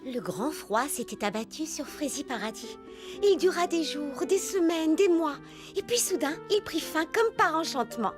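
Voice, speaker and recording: A woman's voice: high-pitched, lively intonation, moderate pace, over music. A woman playing a kindly grandmotherly storyteller, narrating a tale in a children's cartoon. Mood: fond, storytelling.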